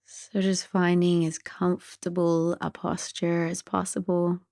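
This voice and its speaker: A woman gently guiding a sleep meditation in a soothing, soft and breathy voice that drifts toward a whisper. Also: fairly low pitch, little pitch movement, measured pace, no echo, studio quality. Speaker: meditation guide.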